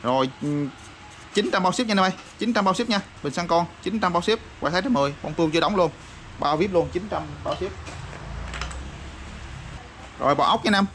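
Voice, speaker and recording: Man, rapid repetitive hawking, slightly high voice, noisy backdrop with passing vehicles. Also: expressive, fairly bright tone. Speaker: used motorbike parts seller. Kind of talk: casual product showcase sales patter. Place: parts shop or workshop.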